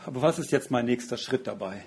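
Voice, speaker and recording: A man's voice: mid-range voice, fast, vocal fry, a little hiss or hum. A man preaching a sermon in an earnest, reflective way, often asking rhetorical questions.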